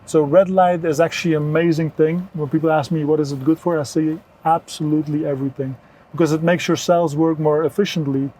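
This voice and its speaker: Higher-voiced mellow man from Belgium, explaining earnestly. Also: level tone, a little fast, a little hiss or hum, low-quality recording. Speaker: interview guest, wellness entrepreneur. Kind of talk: conversational health advice.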